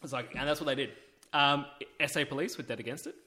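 A man's voice: mid-range voice, fast, sharp tone. A man co-hosting a casual chat, telling a story and laughing easily. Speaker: podcast co-host telling a story.

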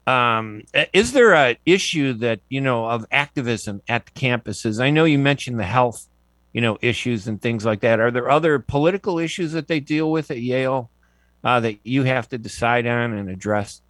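A man's voice: mid-range voice, normal speed, a bit bright, no echo. A man in his seventies hosting a radio interview, chatty and digressive, often restarting his sentences. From United States. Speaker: radio show host.

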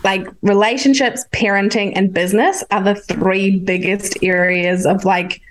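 A woman's voice: medium pitch, steady tone, measured pace, low-quality recording. A woman from New Zealand with a light accent between New Zealand and Australia, a hypnotherapist chatting openly and eagerly as a podcast guest. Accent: light New Zealand-Australian blend. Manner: open, enthusiastic, self-deprecating. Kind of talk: casual interview chat.

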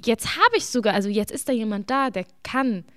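A woman's voice: on the high side, lively intonation, a little fast, no echo, clean studio sound. A young woman whose first language is Arabic, talking earnestly in a casual conversation, often searching for words.

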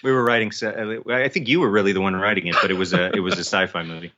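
A man's voice: lowish voice, fairly even intonation, quick pace, sharp tone, lo-fi sound. A man talking casually as an interview guest, emphatic and often repeating himself. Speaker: author, podcast guest.

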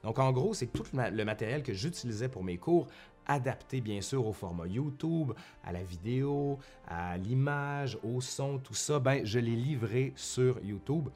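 Man, Québécois French accent, medium pitch, casual vlog monologue, chatty colloquial asides, self-corrections, light music. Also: lively intonation, measured pace, darkish tone. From Quebec, Canada. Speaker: history YouTuber and university professor. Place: at home in front of a bookshelf.

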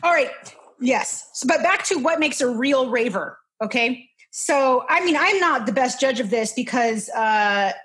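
A woman's voice: sits high, lively intonation, a little slow, a bit bright, rough recording. Rambling giggly woman in her twenties. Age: 20s. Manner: rambling, self-interrupting, laughing. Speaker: podcast guest. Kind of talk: casual chat.

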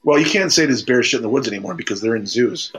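A man's voice: mid-range voice, animated, fast talker, fairly bright tone, breathy edge. A man chatting casually as co-host of a comedy podcast.

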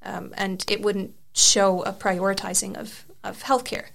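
A woman's voice: mid-range voice, little pitch movement, unhurried, gravelly, fairly bright tone. A young woman whose first language is Serbian, explaining her views thoughtfully as an interview guest. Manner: thoughtful, frequent restarts and fillers. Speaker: interview guest, article author. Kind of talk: conversational interview.

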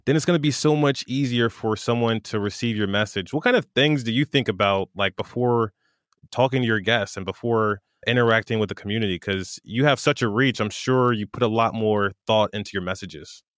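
A man's voice: on the low side, a little fast, fairly bright tone, dry recording, clean studio sound. A man co-hosting an interview who keeps it friendly, laughs often and asks questions. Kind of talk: casual chat.

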